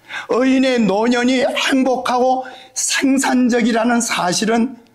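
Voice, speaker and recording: Speaking at a very slow pace, a man uses an extremely high pitch. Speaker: retired pastor and college president. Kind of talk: sermon.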